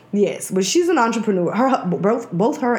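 Through noticeable background noise, a woman speaks in an animated tone. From US, child of Jamaican immigrants. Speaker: podcast co-host. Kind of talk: casual chat.

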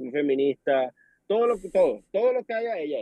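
With a Maracaibo Venezuelan accent, a man talks at a fairly quick pace with lively intonation. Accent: Maracucho Venezuelan, mild. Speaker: podcast creator, immigrant. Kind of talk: casual interview chat. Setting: video call.

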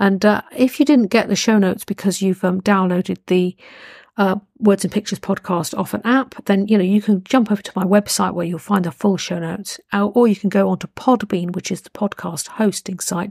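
Recorded very cleanly against a silent background, the sound dry and close with no echo, a woman talks at a fairly quick pace with ordinary pitch variation. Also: medium pitch for a woman. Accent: British. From Britain. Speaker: podcast host and author. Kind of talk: casual interview chat; solo podcast monologue.

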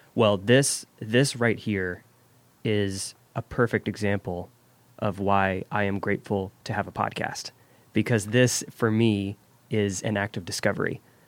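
Speaking in an unremarkable speaking voice with an American accent, a man with a fairly low pitch talks at a fairly slow pace with fairly even intonation, on a very clean recording with a silent background. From USA. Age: 20s. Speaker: podcast host. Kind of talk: podcast interview.

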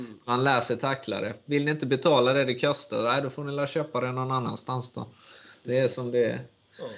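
Speaking at a fairly quick pace, a man with a medium pitch keeps a monotone, flat intonation. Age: 20s. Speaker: podcast host, cutting tool specialist. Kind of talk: casual chat.

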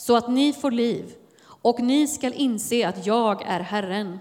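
A woman at a fairly high pitch, with ordinary pitch variation and a fairly slow pace. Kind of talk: sermon interpreted line by line into Swedish, preacher in full flow. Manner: emphatic, declamatory, echoing the preacher phrase by phrase; brisk call-and-response rhythm, short punchy bursts.

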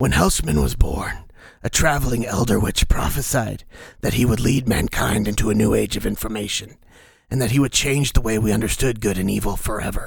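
A man puts on a gravelly character voice. He talks at a fairly quick pace with ordinary pitch variation. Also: medium pitch for a man. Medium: read story. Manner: measured, solemn.

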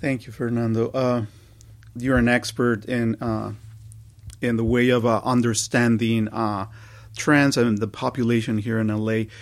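The speaker uses a Spanish accent and a moderate pace. Intonation stays monotone and flat, with long, frequent pauses. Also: man, medium pitch for a man. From Mexico City. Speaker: podcast interviewer. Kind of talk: interview. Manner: hesitant, many fillers.

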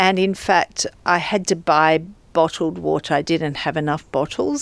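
In an Australian accent, a woman speaks at a fairly slow pace with fairly low pitch and vocal fry. Her intonation is fairly even, and the recording is very clean with a silent background. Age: 50s. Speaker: small business owner and long-distance cyclist. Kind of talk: casual interview chat. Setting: outdoors on a front porch.

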